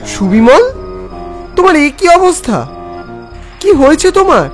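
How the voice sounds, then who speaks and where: A man playing a concerned, skeptical friend who narrates a ghost story with expressive, questioning delivery. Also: extremely high pitch, a little slow, heavily acted. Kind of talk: dramatic scripted Bengali audio story narration. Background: background music.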